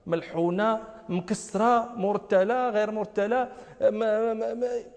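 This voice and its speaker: A man lectures as a religious scholar, his voice sitting very high for a man. He speaks emphatically, circling back to repeat phrases and pressing his listeners with rhetorical questions. A long reverb trails his words around a large hall. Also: a little mellow. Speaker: religious scholar teaching a lesson. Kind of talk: lecture on recitation and jurisprudence.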